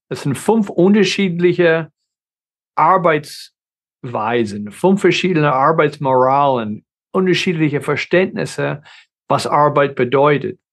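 A middle-aged man from the United States with an American accent, a guest consultant talking in his second language, with frequent restarts and grammar slips. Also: fairly high pitch. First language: English. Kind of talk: conversational interview.

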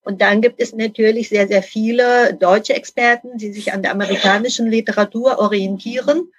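A woman's voice: medium pitch, fairly even intonation, normal speed, breathy edge, no echo, lo-fi sound. A middle-aged woman speaking as a podcast guest, explaining her work thoughtfully with many hesitations. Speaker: podcast guest, Lean consultant and author. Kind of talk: conversational guest talk.

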